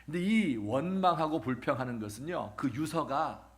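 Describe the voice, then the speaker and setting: A man preaching a sermon as pastor, telling a story with questions to the congregation and funny asides, dropping at times to a hushed near-whisper. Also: fairly high pitch, lively intonation, normal speed. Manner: acts out quoted voices, drops to a hushed near-whisper at times; humorous asides about married life.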